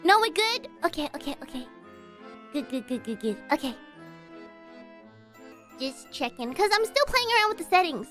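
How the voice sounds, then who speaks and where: Fields. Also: female voice, sits high, big pitch swings, moderate pace, pauses often, fairly bright tone, faint music behind. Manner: giggly, chatty, checks her audio settings aloud. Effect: heavily compressed mic with added reverb. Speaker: streamer. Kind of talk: casual live-stream chat.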